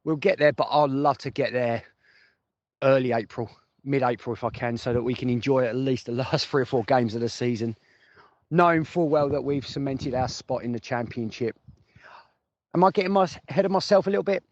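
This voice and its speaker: A man's voice: mid-range voice, a little fast, dry recording. A man gives informal football fan reaction, chatting and thinking aloud, repeating phrases for emphasis. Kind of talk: informal voice note commentary for a fan podcast. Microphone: phone voice message. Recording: muffled lo-fi voice note, noisy, clicks.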